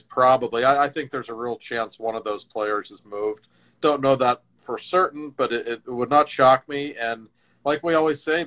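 A middle-aged man in a casual hockey talk show, telling stories with lively, emphatic swings in his voice. His delivery is loose and conversational, punctuated by quick bursts of emphasis. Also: medium pitch.

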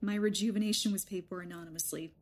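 A woman's voice: mid-range voice, steady tone, quick pace, natural voice. An actress in an audio drama playing a rejuvenated mother in a young woman's body, sardonic and defiant. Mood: bitter, challenging. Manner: sardonic, pointed.

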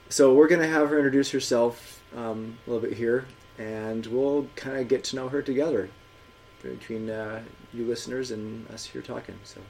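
A male podcast host at an ordinary mid-range pitch, chatting loosely and circling back on himself with lots of ums and you-knows. He sounds easygoing and conversational as he introduces the episode. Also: darkish tone, slight background noise. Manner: rambling, filler-heavy, chatty. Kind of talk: casual podcast introduction and interview.

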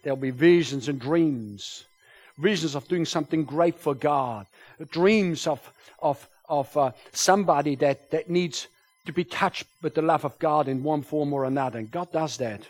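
A man whose first language is German, preaching a sermon to a congregation, his voice rising loud when he quotes scripture. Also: on the high side, normal speed. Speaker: pastor. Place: church.

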